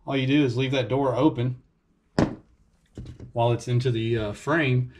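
A man, casually explaining a camera setup in a relaxed, conversational way with frequent fillers, recorded on a camera mic in a home garage. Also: medium pitch, noisy background. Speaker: fishing channel host. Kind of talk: casual how-to vlog. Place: home garage workshop, indoors.

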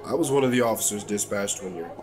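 An actor playing a kindly police officer in an audio drama, gentle, informal and reassuring. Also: male voice, on the low side, expressive, fast talker, soft background music, close to an everyday voice. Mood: gentle, awkward. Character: kindly, plain-spoken male police officer. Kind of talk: scripted audio drama acting.

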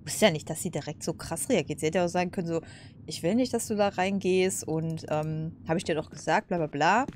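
A woman's voice: lowish voice, fairly quick, slight background noise. A woman casually commenting over a game, chatty, laughing and cursing at setbacks. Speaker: let's play host.

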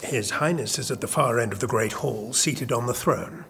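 An actor playing a pompous, smooth-talking chamberlain of a royal court in an audio drama. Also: male voice, mid-range voice, moderate pace, fairly bright tone. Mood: courtly, formal.

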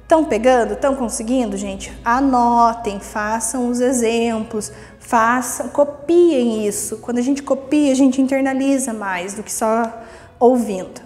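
A woman with a high voice teaches an English grammar lesson at an unhurried pace. She reads each rule carefully, explains it in a friendly, encouraging way, and keeps checking in with her students. The recording has a long reverb and faint music underneath. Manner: lively and encouraging, repeating "vamos lá" and "ok?"; reads English rules slowly, then explains them in Portuguese.

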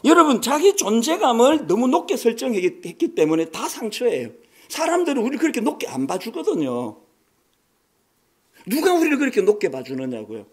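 High-voiced, lively preacher in his sixties. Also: a little fast, husky. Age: 60s. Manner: conversational, animated preaching with rhetorical questions. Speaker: pastor. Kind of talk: sermon.

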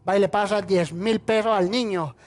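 A man's voice: high-pitched, normal speed, natural voice. An actor playing a boastful bread-shop boss running for president, with a Colombian accent. He is chatty, laughs at his own jokes and calls everyone son in a TV studio comedy sketch. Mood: jokey. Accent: Colombian Spanish.

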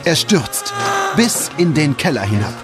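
A man's voice: on the high side, sing-song, a little slow. A man narrating a children's audio story in a dramatic, scripted storytelling style. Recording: loud background music.

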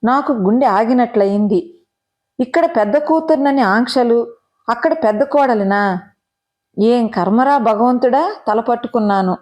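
A woman narrating a first-person audio story in an expressive, measured storytelling manner. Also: on the high side.

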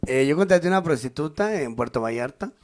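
A man with a Mexico City accent telling crude jokes, with acted voices and shouts. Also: on the high side, animated, fairly quick, slight background noise. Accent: Mexico City Spanish. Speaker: comedian guest telling jokes. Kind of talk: live-streamed comedy chat.

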